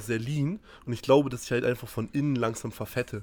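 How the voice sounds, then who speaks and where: A plain, everyday voice belongs to a man who talks fairly quickly at a medium pitch with fairly even intonation. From northern Germany (Oldenburg). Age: young (19). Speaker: powerlifting coach. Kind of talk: casual chat.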